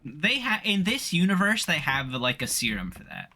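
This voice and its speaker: A man's voice: fairly high pitch, wildly swooping pitch, moderate pace, sharp tone, slight background noise. A man chatting casually and offhandedly with wry remarks while playing a game. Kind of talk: casual chat while gaming.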